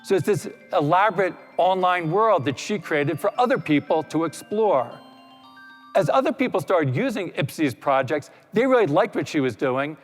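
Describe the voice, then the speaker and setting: Man giving a talk in an echoey hall. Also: fairly high pitch. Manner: relaxed explaining with many "you know" asides. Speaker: panel speaker. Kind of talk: conference talk. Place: lecture hall.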